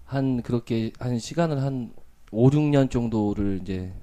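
A man's voice: medium pitch, warm tone. A man in his thirties with a Jeolla accent, a guest singer explaining things politely in a casual talk show. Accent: Jeolla Korean. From Jeolla, South Korea. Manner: polite, earnest, explaining slowly.

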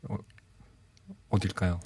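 A man's voice: slow, a little mellow, no echo, studio quality. A man who is a literary critic, a polite and good-humored guest on a radio talk show. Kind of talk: casual radio interview. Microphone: studio microphone.

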